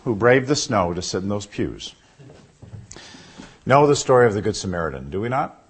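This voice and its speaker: A man preaching a sermon in a church, asking the congregation questions as he goes, with a husky baritone voice. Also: sing-song, moderate pace. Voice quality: husky with a cough. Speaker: pastor. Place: church sanctuary.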